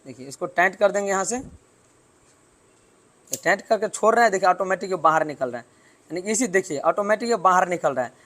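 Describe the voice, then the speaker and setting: A man's voice: sits high, expressive, a little fast, pauses often, fairly bright tone. A man, a motorbike mechanic explaining a repair step by step in a workshop tutorial. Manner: explains step by step, keeps pointing things out.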